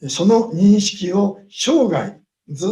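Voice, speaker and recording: Guy lecturing on a video call, slightly high but mellow voice, slow careful phrases, lots of long uh pauses. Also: sing-song. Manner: measured, pausing with long drawn-out fillers. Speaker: guest speaker. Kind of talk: lecture with consecutive interpretation.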